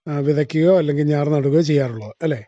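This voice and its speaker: A male radio interviewer with a Kerala accent and a very soft, mellow tone. He talks fast and conversationally, often seeking confirmation. The sound is dry and slightly muffled. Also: a little high, dry recording. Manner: inquisitive, often ends with confirming tag questions. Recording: dull, band-limited dry radio recording.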